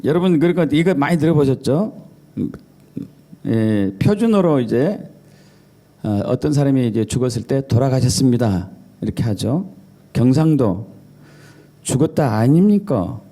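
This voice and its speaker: A man's voice: medium pitch, sing-song, moderate pace, warm tone. A male pastor giving a Sunday sermon in a jokey storytelling way, mimicking regional dialects. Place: church service.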